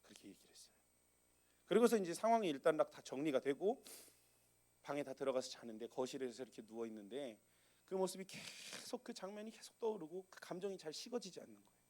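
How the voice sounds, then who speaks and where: A pastor in his thirties preaching a sermon in a lively, conversational storytelling manner. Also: fairly high pitch, fast talker.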